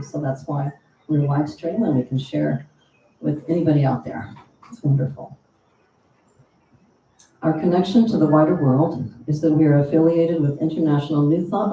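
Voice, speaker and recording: Welcoming guests and sharing announcements with heartfelt sincerity, a woman from the United States leads a church service in a low, dark voice. The recording is roomy, taken from a distant mic with a faint hum.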